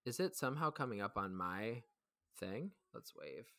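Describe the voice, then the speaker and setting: A man's voice: on the low side, sing-song, normal speed, vocal fry, sharp tone. A man co-hosting a podcast in a casual live stream chat, running loosely through recaps of past episodes. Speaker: podcast co-host.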